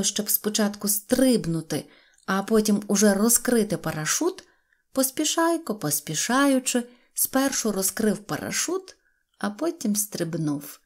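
A woman narrating a children's fairy tale as an audiobook, expressive and lively. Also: medium pitch. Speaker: storyteller.

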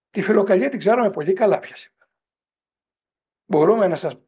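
A middle-aged priest and professor lecturing a parents' group in a digressive style, often asking the audience whether they agree. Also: male voice, high voice, breathy edge. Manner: animated, digressive storytelling.

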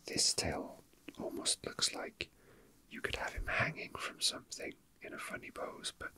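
Slow and hesitant, a man whispers softly and breathily for an ASMR video, mixing casual conversation with facts he reads aloud. He never hurries.

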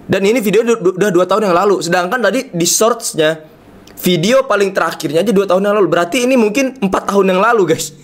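A young adult man hosting a casual livestream, slangy and excitable, repeating his phrases, with a slightly hoarse voice. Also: sits high, fast talker. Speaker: livestream host. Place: indoor streaming desk.

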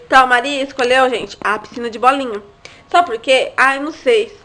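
A woman's voice: high voice, fairly quick, pushed and bright. A young adult woman vlogging in casual chat to camera, chatty and full of asides and tag questions to her viewers.

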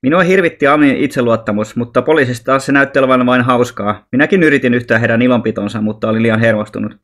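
A man from Finland reading a children's novel aloud, steady and plain, with occasional slips and restarts. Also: medium pitch. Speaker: narrator reading an audiobook. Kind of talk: audiobook narration.

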